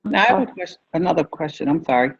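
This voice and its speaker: A woman with a husky voice taking part in a group call, polite and apologetic. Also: deep voice, expressive, very fast. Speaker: course participant. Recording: somewhat muffled call audio.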